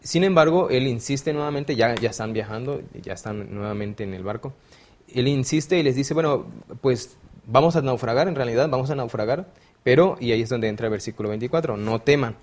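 A young man from Mexico, a theology student, retelling a Bible passage in relaxed conversation with frequent fillers. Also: medium pitch, brisk. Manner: thoughtful, frequent fillers like "este" and "¿no?". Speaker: theology student, panel guest.

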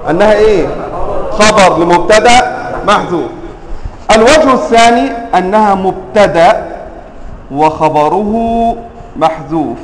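A high-pitched man lectures on grammar to a room of students. He keeps firing questions at the class and stretches out each example word for emphasis. The room is roomy and echoing, with a faint hum of ambience behind him. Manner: quizzes the class with frequent questions; drawls example words slowly and emphatically. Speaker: teacher of Arabic grammar.

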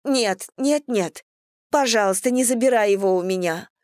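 A woman's voice: medium pitch, normal speed, darkish tone, no room sound, studio quality, voice pushed up, natural voice. A woman voicing a desperate middle-aged doctor who begs tearfully in an audiobook. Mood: begging. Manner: tearful begging.

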